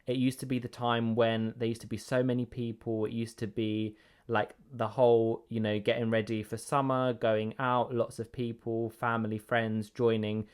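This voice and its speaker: A man's voice: medium pitch, moderate pace, clean tone. A man with an English accent, born in Greece, co-hosting a podcast in casual, chatty conversation. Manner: relaxed, chatty, with fillers. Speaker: podcast co-host.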